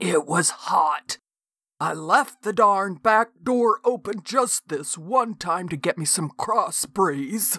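Shrill and growling, this put-on character voice sits at middle pitch and moves at a very slow pace. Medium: read story. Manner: gruff, grumbling.

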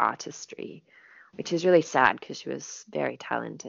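A woman is talking. She has an Australian accent. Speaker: stage and screen actor. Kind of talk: interview.

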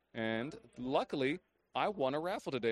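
In a dry, close sound with no echo, a man with an ordinary speaking voice talks at a fairly high pitch with ordinary pitch variation. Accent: American. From US West. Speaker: tabletop wargame player. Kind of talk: casual interview. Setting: event floor.

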